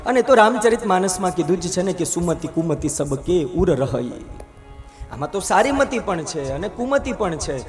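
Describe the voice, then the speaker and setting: A man's voice: high voice, very animated, moderate pace, soft background music. A man with a Gujarati accent telling a devotional story as a sermon at a temple, his delivery impassioned and building to emphatic appeals. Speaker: katha storyteller. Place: temple katha gathering.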